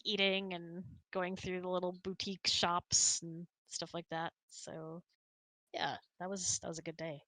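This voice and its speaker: A woman's voice: on the low side, pushed and bright, no room sound, rough recording. A woman host chatting casually and answering audience questions in a giggly, chatty way.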